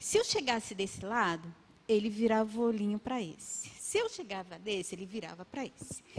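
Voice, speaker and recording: Somewhat breathy speech at a moderate pace, with ordinary pitch variation, on a very clean recording with a silent background. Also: woman. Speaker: audience member asking a question. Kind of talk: question from audience.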